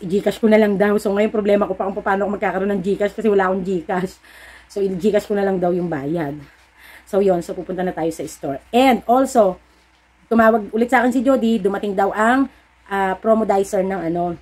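A woman's voice: medium pitch, a little mellow. Filipina lady vlogger, middle-aged, chatty storytelling, kinda preachy pep talk to her followers. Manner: chatty, storytelling with acted-out dialogue. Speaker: vlogger and sari-sari store owner. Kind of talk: casual chat to viewers.

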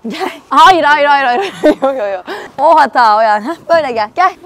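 Young woman, high bright voice, playful baby talk with a toddler, outdoors at a park, camera mic. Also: noisy background. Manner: playful, coaxing, sing-song baby talk with frequent laughter. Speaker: vlogger. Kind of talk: casual vlog, talking to a toddler. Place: outdoors at a playground.

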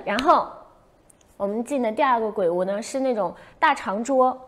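A young woman hosting a casual livestream, telling a story in an animated way and acting out her own past shouts. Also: a little high, normal speed. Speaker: livestream host.

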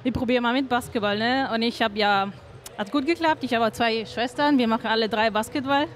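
A young woman from Sardinia speaking German with an Italian accent, answering interview questions in a soft, halting way as a basketball player. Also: fairly high pitch. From Sardinia, Italy. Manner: soft-spoken, halting, often says "genau". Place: indoor studio in front of a sponsor wall. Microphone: handheld mic held out by the interviewer.

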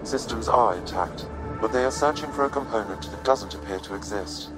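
A man voicing a calm, analytical artificial intelligence assistant in a video game, speaking in a measured, formal, precise way. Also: mid-range voice, music in the background, close to an everyday voice. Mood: calm, clinical. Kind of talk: video game cutscene voice acting.

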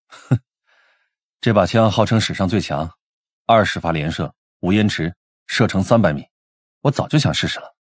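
A man's voice: low voice, moderate pace, pauses often, breathy edge, dry recording, clean studio sound, voice pushed down. A man voicing a cocky, cool young male detective with a bossy swagger in an audiobook. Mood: smug, eager.

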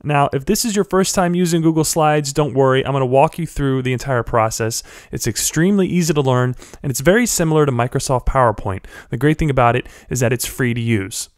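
A young man with a stuffy head cold, giving friendly step-by-step instructions in a software tutorial voice-over. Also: medium pitch, brisk, few pauses, dry recording, studio quality. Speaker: blogger teaching a software tutorial. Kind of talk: screen-recorded tutorial voice-over.

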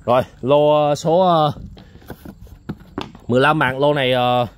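A man's voice: fairly high pitch, fairly even intonation, unhurried, slight background noise. A man with a Southern Vietnamese accent giving a casual sales walkthrough of used machines in a storeroom, chatty and repetitive, with many "uh" fillers.

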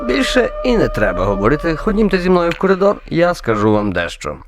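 Swooping, sly police agent. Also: male voice, on the high side, huge pitch swings, quick pace, background noise. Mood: solemn. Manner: probing questions, smug triumphant orders. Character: sly, officious plainclothes police agent baiting drinkers. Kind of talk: radio play character acting. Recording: music under the voice.

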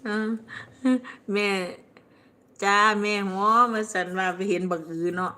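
A woman's voice: medium pitch, fairly even intonation, measured pace, sharp tone. An older woman with an Isan accent from northeastern Thailand, chatting casually on a live stream, reading out viewer comments, rambling and laughing often. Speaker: livestream host.

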